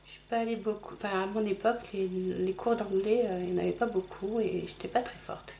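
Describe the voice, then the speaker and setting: A woman's voice: mid-range voice, steady tone, brisk, vocal fry, dark tone, a little hiss or hum. Chatty middle-aged woman doing makeup. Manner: chatty, apologetic, talks while applying makeup. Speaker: makeup vlogger. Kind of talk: casual makeup tutorial chat.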